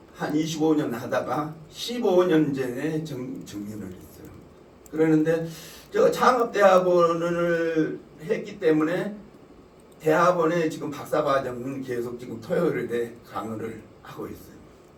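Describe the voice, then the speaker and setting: A man at a fairly high pitch and a very slow pace, with lively intonation, audible room echo and noticeable background noise. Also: big swings in loudness. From South Korea, South Jeolla (Wando). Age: 70s. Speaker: retired professor. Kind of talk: lecture. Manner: rambling, informal.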